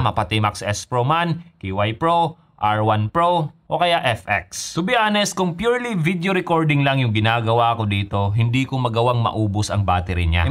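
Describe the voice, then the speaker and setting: A man's voice: medium pitch, a bit bright. A man with a Filipino accent giving a scripted motorcycle gear review as a vlogger, mixing in English phrases. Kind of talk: scripted review narration with Taglish code-switching.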